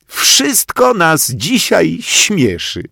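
A man voicing an excitable kindergarten boy who can't stop laughing, in a high breathless voice. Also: very slow, creaky, breathy edge, dry recording, studio quality, full character voice. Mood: giggly, excited.

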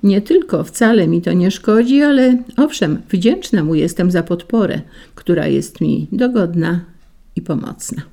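A woman's voice: on the low side, expressive, a little slow, creaky, warm tone, exaggerated voice. A woman voicing a dignified, firm lily flower. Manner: grave and firm.

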